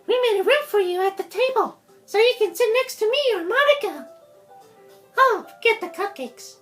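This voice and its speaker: A woman voicing a bubbly, sweet, excitable schoolgirl who squeals and exclaims eagerly. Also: extremely high pitch, moderate pace, soft background music, voice pushed up. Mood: bubbly, excited.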